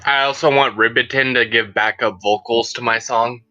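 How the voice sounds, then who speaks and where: A man's voice: mid-range voice, steady tone, moderate pace, pushed and bright, no echo, muffled recording, soft background music. A man playing a tabletop game, playful and enthusiastic. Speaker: player.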